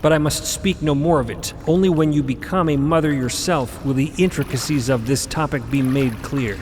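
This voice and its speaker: An actor playing an eccentric, cryptic elder grandparent in an audio drama, with formal, theatrical diction. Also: male voice, fairly high pitch, moderate pace, a little mellow, in a large hall, a little hiss or hum, close to an everyday voice. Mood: grave, cryptic. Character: eccentric elder robed mother-figure, male, grandparental, breezy and cryptic.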